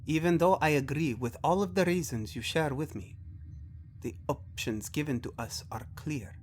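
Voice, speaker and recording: A man voicing a calm, wise alien mentor in an audio drama, speaking gently, formally and deliberately. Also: fairly high pitch, a little hiss or hum, voice pushed up, lightly acted. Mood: gently firm.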